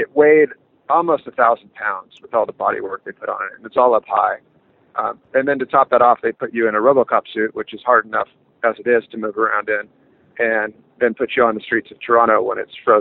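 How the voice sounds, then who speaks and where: A man with a Californian accent, very fast pace and big swings in loudness. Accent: General American (Californian). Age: 40s. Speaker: stunt performer and former motocross racer. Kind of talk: interview. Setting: phone call.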